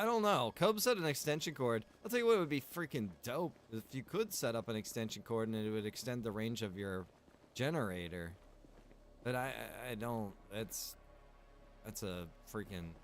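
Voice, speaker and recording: A man's voice: fairly low pitch, lively intonation, moderate pace, a little hiss or hum. An American man, a video game streamer, chatting casually during gameplay in a rambling, slangy, informal way with some mild swearing. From Pennsylvania, United States.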